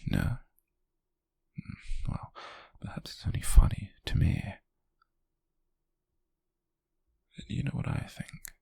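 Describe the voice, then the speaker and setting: A British man playing a possessive, wealthy young yandere in an ASMR roleplay, coaxing haltingly in a breathy, husky whisper with soft menace. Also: no room sound, close to an everyday voice. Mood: wistful, obsessive.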